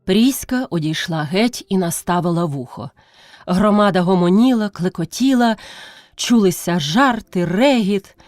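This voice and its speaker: A woman narrating an audiobook with dramatic, expressive storytelling. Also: mid-range voice, a little slow, dry recording, clean studio sound, soft background music.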